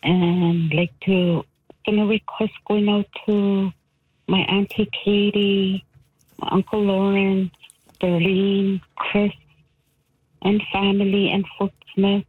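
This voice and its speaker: A woman calling in to a radio show, speaking softly and slowly as she lists greetings to family. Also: medium pitch, little pitch movement, husky, no room sound. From Canadian Arctic. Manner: soft, slow, listing greetings. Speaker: caller. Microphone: phone line. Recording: tinny dry phone line.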